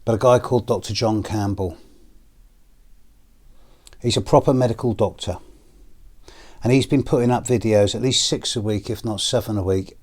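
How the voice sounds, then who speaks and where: A middle-aged British man with a hoarse, deep voice and a cough, talking slowly to his viewers in a personal video with pauses and fillers. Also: a little mellow. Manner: slow, measured, with pauses and fillers. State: hoarse and coughing after illness. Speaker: astrologer.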